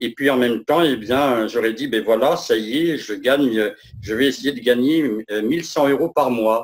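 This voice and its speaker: A man talks at a fairly slow pace. His pitch is medium, with ordinary pitch variation. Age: 60s. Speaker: civil servant, course participant. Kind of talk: interview. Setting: live video interview. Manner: hesitant, many fillers.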